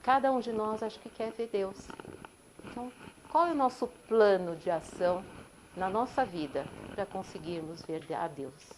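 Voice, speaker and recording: A woman's voice: medium pitch, moderate pace, darkish tone, slight background noise, poor audio. A middle-aged woman giving a sermon, telling a little story and asking the listeners questions. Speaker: spiritist talk speaker.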